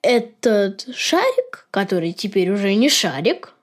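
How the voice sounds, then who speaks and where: A woman's voice: medium pitch, sing-song, measured pace. A woman co-hosting a podcast, explaining and retelling things in a casual chat style. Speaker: podcast co-host.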